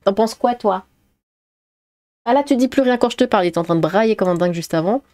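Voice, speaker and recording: A woman's voice: mid-range voice, fast, a little mellow, no room sound. Rambling sarcastic woman streaming from home. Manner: hesitant and rambling, sarcastic asides. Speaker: streamer reacting to chat. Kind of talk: casual livestream commentary. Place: at home, cat nearby.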